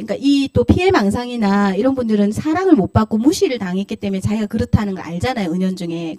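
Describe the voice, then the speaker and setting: Lively, animated Korean woman preaching. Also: on the high side, no echo. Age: middle-aged. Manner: animated, acts out scolding quotes, laughs often. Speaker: pastor's wife preaching. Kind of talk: lively Friday service sermon. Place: church sanctuary.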